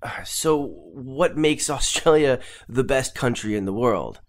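A man plays an earnest, polite Canadian TV interviewer with a Canadian accent. He stammers and restarts as he presses his questions, his voice at a middle pitch but lively in its rise and fall. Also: measured pace, close to an everyday voice.

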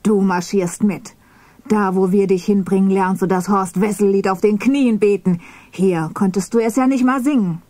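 A brutal male official snarls slow, harsh threats, as a woman reading a memoir puts him on. The voice stays dark and breathy, recorded dry and close. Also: medium pitch, dry recording, lightly acted. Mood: menacing.

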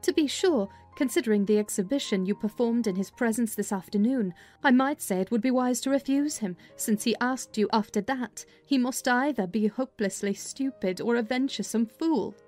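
A woman's voice: fairly high pitch, normal speed, few pauses, a little mellow, soft background music, natural voice. A woman voicing a dry, disapproving female servant in a dramatised classic novel, blunt and sceptical. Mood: blunt, exasperated. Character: dry, disapproving female servant questioning her young mistress.

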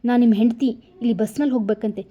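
A lively young woman who sulks and teases by turns, as a woman narrator reads her. The voice sits fairly high and soft-toned. It is gently lifted from the reader's own. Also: fast talker, muffled recording, close to an everyday voice. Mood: pouty. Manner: pouting, lively. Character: spirited young woman, pouty and affectionate. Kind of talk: storybook narration.

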